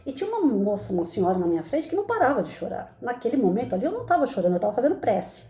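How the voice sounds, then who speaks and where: A woman's voice: a little high, big pitch swings, very fast, dark tone, reverberant. A middle-aged Brazilian woman presenting a Spiritist study, talking conversationally and often adding tag questions. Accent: Brazilian Portuguese. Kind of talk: spoken Spiritist study talk with personal story.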